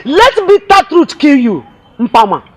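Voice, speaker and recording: A drunk, quarrelsome Nigerian village mother shouts her lines, played by a man. The voice sits very high and swings widely. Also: big pitch swings, a little slow, soft background music, heavily acted. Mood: defiant.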